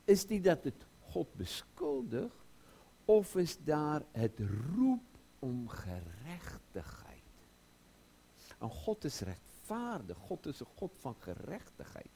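A man preaching a sermon, slow and emphatic, rising loud and high when he quotes scripture. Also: huge pitch swings, vocal fry, slight background noise.

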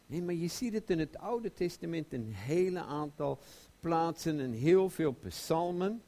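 A man preaching a sermon, slow and emphatic, rising loud and high when he quotes scripture. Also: animated.

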